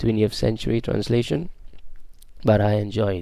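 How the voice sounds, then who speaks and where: A male voice with a non-native accent, fairly low pitch, ordinary pitch variation and a dark, mellow tone. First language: not Arabic. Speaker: religious book reviewer, video creator. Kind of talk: casual product review to camera. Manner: hesitant, many fillers.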